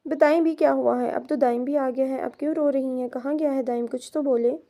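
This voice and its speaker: A breezy young man full of quick questions, voiced by a woman narrating an audio novel. His voice runs high and mellow, easygoing and anxious by turns. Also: steady tone. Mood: worried. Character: carefree teasing young man, worried brother-in-law.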